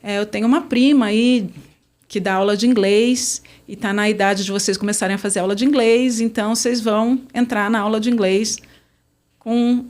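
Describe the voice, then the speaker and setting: A woman's mid-range voice, at normal speed with fairly even intonation, belongs to a conference interpreter from Brazil. She's a guest on a podcast, chatting casually and sharing stories in a warm, friendly, relaxed way.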